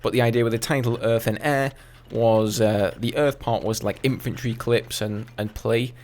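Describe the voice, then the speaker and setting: A man in his twenties with an English accent, casually answering viewer questions over gameplay footage in a relaxed, chatty way. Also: medium pitch, moderate pace. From England. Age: 20s. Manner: chatty, relaxed, with fillers and asides. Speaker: gaming YouTuber.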